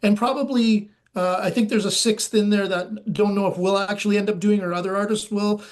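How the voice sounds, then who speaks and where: A man's voice: high voice, steady tone, a little fast. A man with a nasal voice, talking casually and eagerly as a musician guest in an interview. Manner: rambling, eager, many fillers.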